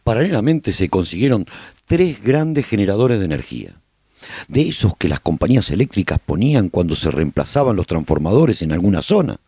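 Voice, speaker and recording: Deep, lively-voiced Spanish male narrator. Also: husky, dry recording, studio quality. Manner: measured storytelling, speaks as a survivor addressing listeners. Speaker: narrator of a radio serial. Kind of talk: scripted first-person radio drama narration.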